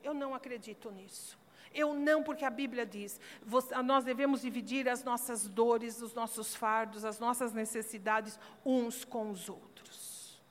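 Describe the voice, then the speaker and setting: A woman pastor delivers a testimony sermon in a high voice. She drops to hushed asides, then builds to loud, emphatic peaks. The long reverb of a church hall trails her words. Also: fairly even intonation, measured pace, a little hiss or hum.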